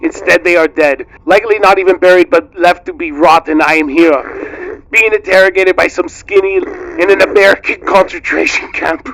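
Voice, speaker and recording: A man's voice: high voice, steady tone, normal speed, fairly bright tone, pitched above the performer's own voice, low-quality recording. A man voicing a bitter, defiant captured soldier in a mock Austrian-German accent, with a clipped, commanding delivery, in an amateur read-aloud. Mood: bitter, accusing.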